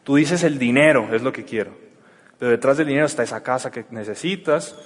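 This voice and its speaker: A man with a Mexican accent giving an energetic motivational seminar talk in colloquial slang, acting out little dialogues as he goes. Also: mid-range voice, fairly quick, big-room sound. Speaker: motivational business speaker.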